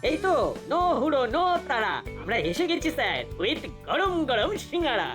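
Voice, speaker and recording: A woman's voice: high voice, sing-song, normal speed. A woman voicing a cheeky, mischievous boy who likes wordplay in a comedy cartoon. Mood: cheery. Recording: music behind the voice.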